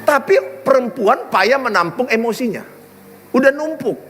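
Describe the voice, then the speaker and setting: A man's voice: very high-pitched, unhurried, big-room sound, a little hiss or hum. A middle-aged man preaching a sermon, telling stories with humor. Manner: animated, humorous storytelling. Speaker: pastor. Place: large church hall.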